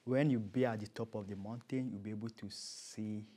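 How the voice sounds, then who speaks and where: A man's voice: on the low side, steady tone, moderate pace, mellow, husky. A man with a Nigerian accent speaking as an interview guest, conversational and emphatic, often repeating his key phrases.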